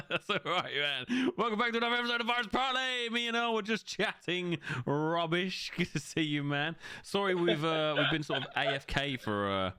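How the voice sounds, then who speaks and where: A man's voice: sits high, expressive, moderate pace, hardly any pauses, sharp tone, smooth, dry recording, studio quality. A man co-hosting a casual gaming podcast, laughing often and swearing freely. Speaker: podcast co-host. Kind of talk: casual chat.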